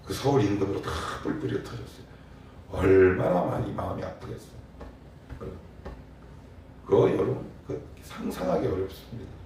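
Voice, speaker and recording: A man's voice: low-pitched, warm tone. A middle-aged man preaching a morning prayer sermon, asking his congregation questions in a conversational way. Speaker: pastor. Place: church sanctuary. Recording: echoey church from a distance, faint background hum.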